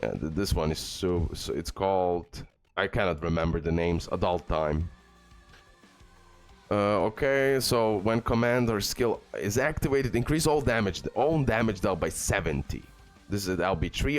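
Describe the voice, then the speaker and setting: A man's voice: fairly low pitch, expressive, moderate pace. A man giving casual game guide commentary, enthusiastic and full of fillers. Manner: enthusiastic, repeats "guys" and "okay", filler-heavy. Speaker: gaming YouTuber. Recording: faint background music.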